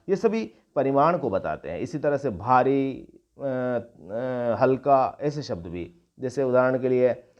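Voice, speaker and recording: A middle-aged man gives a classroom grammar lecture at a measured, patient pace. He restates each term and works through lists of examples with pauses and small fillers. The recording is dull and lo-fi. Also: mid-range voice, smooth. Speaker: Hindi grammar teacher.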